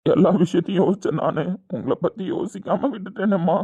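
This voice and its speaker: A man's voice: high-pitched, fast, warm tone, breathy edge, no room sound. A man playing a grown son who apologizes to his mother, speaking over a phone line. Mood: remorseful. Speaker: son character. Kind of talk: scripted family drama.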